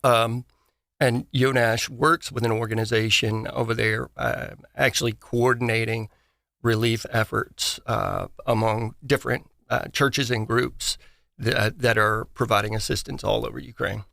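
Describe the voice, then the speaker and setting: A man's voice: medium pitch, steady tone, a little slow, vocal fry, sharp tone, no echo, studio quality. A man speaking casually on a talk show, hesitant and feeling his way through his sentences. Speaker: panel participant introducing a guest.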